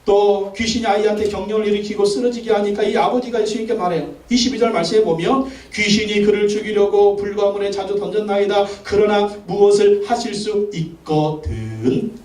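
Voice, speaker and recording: A man's voice: high-pitched, steady tone, fairly quick, hardly any pauses, a little mellow. A man preaching a Sunday sermon as pastor, making emphatic commanding declarations and repeating phrases for emphasis. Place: large church sanctuary. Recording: echoey sanctuary, mic from a distance.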